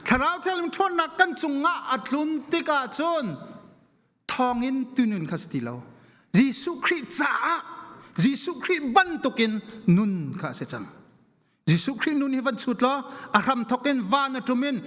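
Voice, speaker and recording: High-pitched, fervent male preacher in echoing hall. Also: very animated, normal speed, fairly bright tone. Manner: emphatic, repeats phrases for stress. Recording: long echoing hall reverberation.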